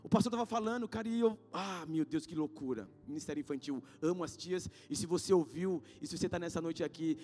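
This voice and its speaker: A man in his thirties with a Brazilian Portuguese accent, preaching in church. He talks in slangy, casual asides, swinging between loud exhortation and hushed storytelling. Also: medium pitch. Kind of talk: sermon. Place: church sanctuary. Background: faint guitar music.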